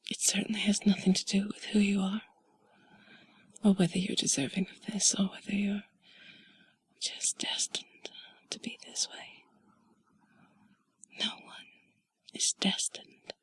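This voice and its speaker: A woman doing an intimate whispered role-play in a soft, breathy, sultry and soothing voice, speaking slowly and deliberately, close to the mic. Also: medium pitch, little pitch movement, dry recording. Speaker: intimate audio narrator. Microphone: close mic, dry.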